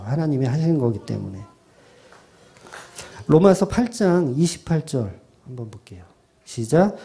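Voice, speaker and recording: Animated high-voiced male pastor preaching. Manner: animated preaching, quoting imagined voices with sudden drops to soft asides; asks the congregation questions. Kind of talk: expository sermon.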